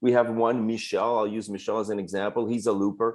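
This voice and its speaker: Someone speaks at a moderate pace against a quiet background. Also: man. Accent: Quebec. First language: French. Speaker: boat distributor founder. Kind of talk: panel presentation.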